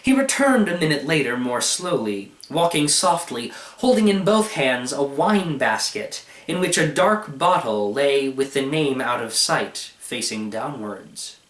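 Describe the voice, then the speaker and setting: A man reading a short story aloud as narrator, in an expressive scripted style. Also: medium pitch, unhurried, few pauses. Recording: echoey room.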